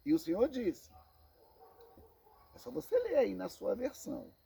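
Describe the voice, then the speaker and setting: Brazilian male preacher, slow deliberate delivery, gravelly fry in the voice, repeats for emphasis. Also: sits high, sing-song, dark tone. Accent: Brazilian Portuguese. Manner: slow emphatic preaching, repeats phrases, addresses listeners as brothers. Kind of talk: Bible teaching sermon.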